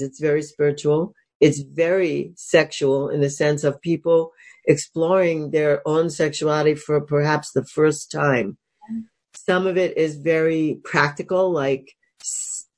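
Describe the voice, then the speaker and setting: A woman with a cold and a gravelly voice, a coach talking as an interview guest, enthusiastic, with fillers and restarts. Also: sits low, a little mellow. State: has a cold. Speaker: sex and happiness coach, guest. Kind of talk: casual interview talk.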